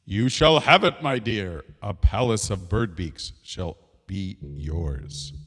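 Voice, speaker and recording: A man voicing a proud, commanding storybook king with loud, drawn-out regal delivery in an echoey hall. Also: sits low, animated, full character voice. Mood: grand. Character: proud, commanding King Solomon, quick to anger. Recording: echoey hall with long reverb.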